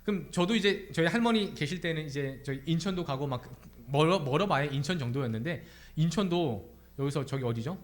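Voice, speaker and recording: A man's voice: a little high, fairly quick. A young adult man preaching a Sunday sermon in church, asking his congregation question after question. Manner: animated, asks the congregation many questions. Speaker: pastor. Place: church sanctuary.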